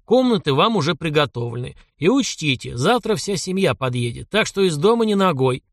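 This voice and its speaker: A man doing a gruff bossy old grandfather. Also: a little high, sing-song, a little fast, no room sound, clean studio sound, pitched above the performer's own voice. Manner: blunt, teasing, commanding.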